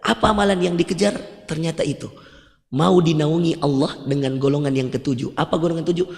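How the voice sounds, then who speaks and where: A man's voice: fairly high pitch, fairly even intonation, fairly quick, vocal fry, a little mellow. A man with a Makassar Indonesian accent giving a mosque sermon, telling stories with humor and quoting Arabic. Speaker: preacher. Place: large mosque hall. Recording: long mosque reverb.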